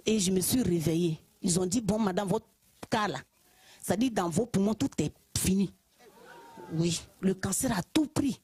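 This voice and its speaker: A woman from Côte d'Ivoire with an Ivorian French accent, telling her personal testimony in church in a lively way, often laughing. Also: medium pitch, moderate pace, slight background noise. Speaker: church member giving testimony.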